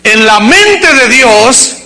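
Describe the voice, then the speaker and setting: A male pastor delivering a sermon to a congregation, with dramatic acted quotes and sudden shouts. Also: extremely high pitch, very animated, very slow, vocal fry. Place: church service before a congregation.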